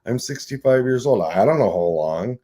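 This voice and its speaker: A man's voice: mid-range voice, animated, moderate pace, mellow. A man in his sixties, a nonprofit CEO, speaking as a guest in a casual radio interview, reflective and earnest, often checking in with "right?". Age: 60s.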